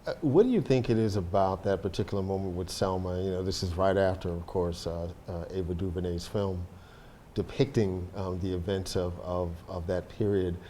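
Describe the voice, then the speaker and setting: A man hosting a studio interview show, asking long measured questions with many fillers. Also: low voice, fairly even intonation, dark tone, a little hiss or hum. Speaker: podcast host.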